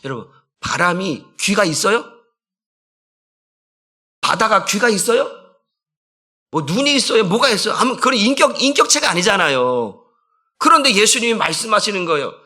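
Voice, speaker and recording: A man's voice: sits high, very animated, moderate pace, long pauses, pushed and bright. A man preaching a conversational sermon as a senior pastor, asking the congregation questions and acting out quotes.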